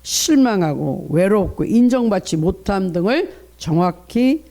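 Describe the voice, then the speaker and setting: Man, middle-aged, pastor, high voice, earnest preaching, early-morning sermon. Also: animated, unhurried, mellow. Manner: earnest preaching, reads scripture aloud, acts out parents' inner voices.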